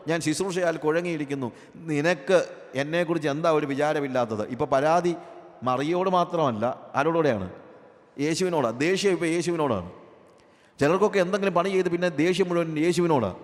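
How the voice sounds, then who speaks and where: Malayali preacher guy, kinda high voice, rhetorical questions, loud then soft, echoey hall. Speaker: pastor. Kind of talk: sermon.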